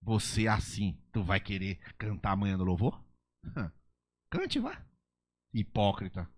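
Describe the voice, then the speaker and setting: A man's voice: medium pitch, fast talker, gravelly. A pastor voicing a sneering male devil who goads and mocks the listener. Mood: mocking. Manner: mocking, goading. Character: sneering accusing devil, male, taunting tempter.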